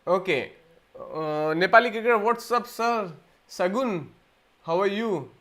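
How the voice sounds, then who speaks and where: An Indian man hosts a casual live Q&A stream, his high voice fairly bright and paced in a measured way. He rambles, often restarting sentences and repeating words.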